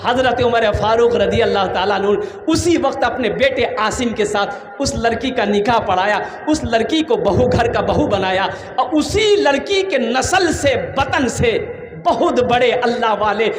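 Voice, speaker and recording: A man preaching a sermon, animated and joking, calling on the crowd to answer him. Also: very high-pitched, measured pace. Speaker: maulana preacher. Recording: echoey hall with long reverb.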